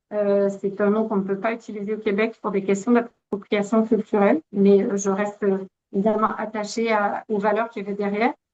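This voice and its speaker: In a slight Quebec accent, a woman speaks with monotone, flat intonation. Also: medium pitch for a woman, fairly quick pace. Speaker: architect and urban planner. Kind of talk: panel discussion. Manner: hesitant, many fillers.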